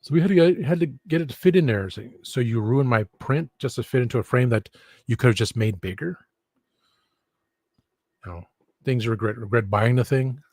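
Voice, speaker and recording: A man's voice: mid-range voice, no echo. A man streaming casual talk, rambling and meandering as he goes. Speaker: streamer, host. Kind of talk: rambling casual livestream chat.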